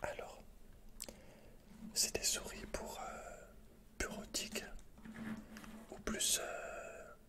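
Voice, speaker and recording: A young man speaks in a breathy, unvoiced whisper. He is hesitant and halting, murmuring softly as a shop salesman in an ASMR roleplay. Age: young adult. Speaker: ASMR performer playing a computer shop salesman. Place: indoors, quiet room with dark backdrop.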